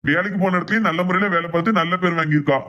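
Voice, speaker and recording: A woman with a Kanyakumari Tamil accent voicing a calm, indulgent father of about fifty in a comedy cartoon. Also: fairly low pitch, lo-fi sound, voice pushed down, lightly acted. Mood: dismissive. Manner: dismissive, calm, quick. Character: laid-back fifty-year-old father, calm and indulgent.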